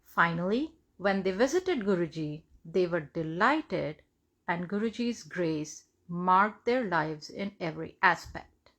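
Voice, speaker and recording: A woman reads a devotional testimony aloud in measured, deliberate phrases. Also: mid-range voice, fairly bright tone. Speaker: devotional reader.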